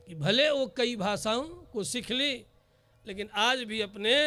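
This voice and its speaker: A man's raised, projected voice in a Bihari accent, extremely high in pitch, animated in tone and lively in intonation. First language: Bhojpuri (speaking Hindi). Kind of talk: sermon. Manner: animated, conversational asides.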